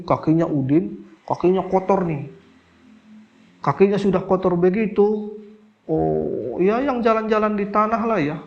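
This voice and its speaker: Middle-aged male healer, interview storytelling; lively quoted voices, sinks low and soft when recalling hardship. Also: muffled recording. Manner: animated, acts out quoted voices, voice drops when recalling crying. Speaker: alternative healer. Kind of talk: emotional personal storytelling.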